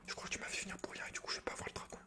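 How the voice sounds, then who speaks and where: A man's voice: rapid-fire, pushed and bright. A man whispering casual, slangy ASMR gameplay commentary close to the mic in a teasing way. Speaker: gaming ASMR host. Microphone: close microphone. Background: computer keyboard typing.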